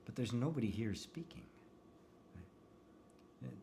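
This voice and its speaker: A man's voice: mid-range voice, expressive, measured pace, vocal fry, dark tone, slight background noise. A man teaching spirituality in a loose, laughing way, checking in with "right?" and reading out viewer comments from a seated livestream. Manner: laughs often, many restarts and "right?" tags. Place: seated indoors.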